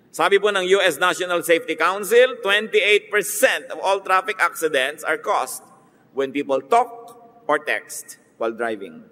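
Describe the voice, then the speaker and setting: A man's voice: fairly high pitch, big-room sound. A man with a Filipino accent preaching a sermon as pastor, teasing, mixing in English phrases. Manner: mixes English into talk, teasing, animated mock voices. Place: church.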